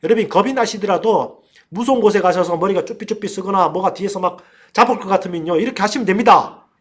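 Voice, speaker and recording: High-voiced middle-aged pastor teaching. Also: male voice, fast talker. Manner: storytelling, addresses listeners directly, bursts into loud commands. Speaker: pastor and theology professor. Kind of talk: teaching seminar on casting out spirits.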